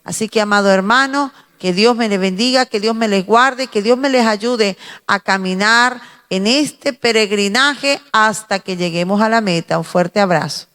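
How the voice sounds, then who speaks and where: A woman with a Spanish accent from Spain giving a slow, emphatic morning devotional sermon, pausing and repeating her phrases as she preaches. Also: mid-range voice, a bit bright, long reverb tail.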